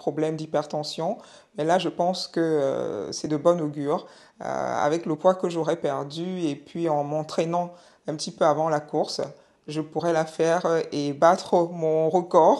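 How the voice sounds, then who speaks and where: Against a quiet background, a woman with a very deep, low pitch and a dark, mellow tone talks at a fairly slow pace with fairly even intonation. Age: 40s. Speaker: fitness vlogger. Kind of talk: casual vlog. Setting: outdoors.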